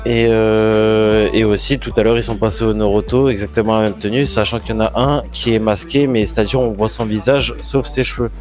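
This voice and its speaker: A man with a lowish voice explains things in a game roleplay. He rambles and hesitates, using slang, while music plays faintly behind him. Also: fairly even intonation, brisk, hardly any pauses, a little mellow. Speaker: online roleplay player. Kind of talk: improvised spoken report in game roleplay.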